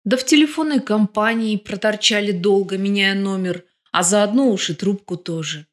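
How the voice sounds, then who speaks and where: Woman audiobook narrator, steady expressive read of a crime novel. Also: mid-range voice, moderate pace.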